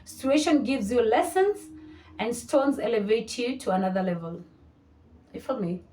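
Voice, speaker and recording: A woman in her thirties talks to camera in a chatty way and repeats her points. Her voice sits fairly high. She sounds set back from the mic in a roomy space. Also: animated, normal speed, dark tone, far from the mic, slight background noise. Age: 30s. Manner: chatty, repeats phrases, mixes in Swahili. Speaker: vlogger. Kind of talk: casual talk to camera.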